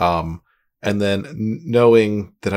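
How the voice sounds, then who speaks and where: At a fairly slow pace, a man speaks with ordinary pitch variation. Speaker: tabletop roleplaying podcast player. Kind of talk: casual chat.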